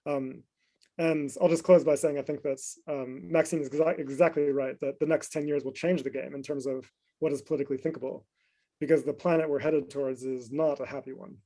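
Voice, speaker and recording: A man with a slightly high, mellow voice makes his case on an academic panel. He talks thoughtfully, restarting phrases and checking in with "right?" as he goes. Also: steady tone, fairly quick.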